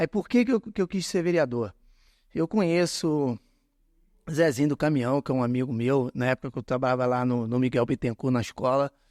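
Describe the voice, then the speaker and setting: The speaker talks at a fairly quick pace with ordinary pitch variation and very even loudness. The background is quiet. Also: man, medium pitch for a man, dry, close sound with no echo. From Brazil, Rio de Janeiro. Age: 50s. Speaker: local council candidate. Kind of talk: podcast interview. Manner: halting, with frequent repetitions.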